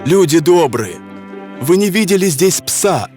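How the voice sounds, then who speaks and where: Young hero hunter: mid pitch, lively and earnest, faint music under. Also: male voice, a little slow. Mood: searching. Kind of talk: cartoon voice acting.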